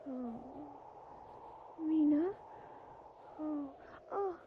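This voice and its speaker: A woman's voice: high-pitched, extremely slow. An actress playing a girlish, delicate young Victorian lady in an audio drama, with an airy manner. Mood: dazed, pleading. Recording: phone-like, faintly noisy audio.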